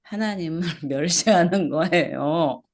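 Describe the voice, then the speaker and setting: A woman's voice: on the low side, takes it slowly, darkish tone. A woman pastor preaching an expository sermon at a small church service, asking the congregation questions and repeating key words.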